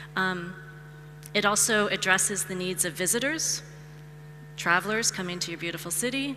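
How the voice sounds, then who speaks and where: Amid noticeable background noise and audible room echo, a woman with an American accent speaks at a medium pitch and a moderate pace, with lively intonation and long, frequent pauses. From United States. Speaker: tourism and marketing advisor. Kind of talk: conference talk.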